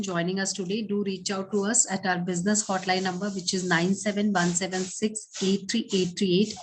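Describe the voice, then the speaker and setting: A woman's voice: medium pitch, slight background noise, rough recording. A woman giving formal, promotional closing announcements for a webinar. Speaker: webinar co-host.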